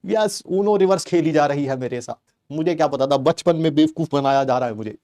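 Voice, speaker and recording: A middle-aged teacher from Delhi, India, tells his class a comic personal story, playing it up with exaggerated flair and rhetorical questions. His voice is a little high, mellow, and fairly quick.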